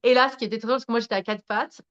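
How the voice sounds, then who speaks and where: A woman's voice: on the high side, very fast, muffled recording. A woman guest on a podcast, telling a personal story frankly and with animation. She swears freely, laughs at herself and speaks straight to the listeners. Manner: animated, addresses listeners directly. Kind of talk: candid storytelling in conversation.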